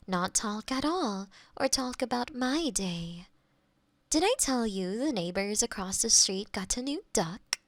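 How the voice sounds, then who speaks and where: Woman playing a slow, stilted AI girlfriend. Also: a little high, no echo, studio quality. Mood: sweet, affectionate. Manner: stilted, formal, precise robotic phrasing. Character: female AI girlfriend companion, polite, eager to please, malfunctioning. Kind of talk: scripted intimate roleplay audio. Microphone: close binaural microphone.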